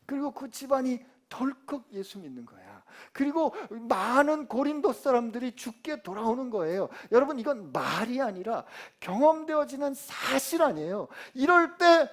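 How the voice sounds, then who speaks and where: Animated male pastor preaching. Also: very high-pitched. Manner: animated, colloquial, swings from loud to hushed. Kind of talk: sermon.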